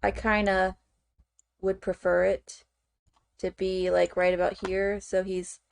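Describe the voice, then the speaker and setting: A woman's voice: medium pitch, flat delivery, slow pace, creaky. A woman streamer chatting casually as she works, thinking aloud with frequent fillers and "okay"s. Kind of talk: casual chat while working on screen.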